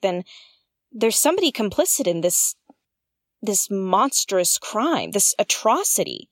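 An actress playing an earnest woman investigator who narrates her space mystery show in an articulate, musing, theatrical way with dramatic pauses. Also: a little high, dry recording, studio quality. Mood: musing, troubled. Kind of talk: audio drama narration, like a spoken field log.

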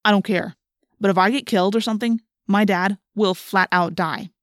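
A woman's voice: mid-range voice, steady tone, normal speed, dry recording, clean studio sound, natural voice. A woman voicing a blunt, defensive, sarcastic teenage boy in an audiobook. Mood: defiant, hurt. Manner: defiant, blunt. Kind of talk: audiobook character voice.

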